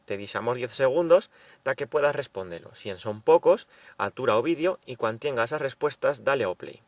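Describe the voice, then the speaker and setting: A man's voice: medium pitch, animated, moderate pace, no room sound. A man presenting a language lesson, carefully reading out rules and example words. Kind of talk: scripted lesson narration.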